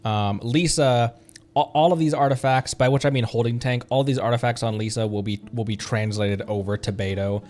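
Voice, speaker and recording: A man's voice: mid-range voice, fairly even intonation, normal speed, darkish tone. A man chatting casually as he hosts a gaming livestream, rambling in loose asides. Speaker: streamer and channel host.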